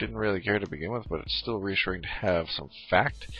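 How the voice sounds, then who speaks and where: Low-leaning male voice with lively intonation, music in the background. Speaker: fan show podcast host. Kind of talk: solo news recap podcast. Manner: halting, many fillers.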